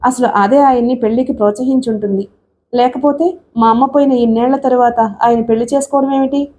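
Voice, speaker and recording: Brief: bitter jealous young wife, tearful and resentful, read by a woman narrator in a mellow, fairly high voice. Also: fairly even intonation, a little fast, a little hiss or hum, close to an everyday voice. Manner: bitter, complaining.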